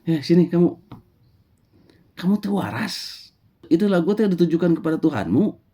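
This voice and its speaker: A man's voice: on the high side, lively intonation, moderate pace, mellow, pitched above the performer's own voice. A man voicing an arrogant, irritated male prophet who scolds harshly. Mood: scolding. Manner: harsh and scornful.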